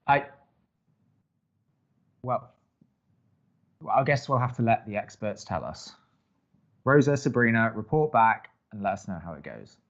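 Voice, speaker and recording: A man's voice: fairly low pitch, expressive, measured pace, long pauses, lo-fi sound. An actor playing a skeptical, guarded young man who co-hosts college radio in an audio drama, with a hesitant, wry way of talking. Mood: earnest, cautioning. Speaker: college radio co-host and advice-giver. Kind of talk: naturalistic audio drama acting.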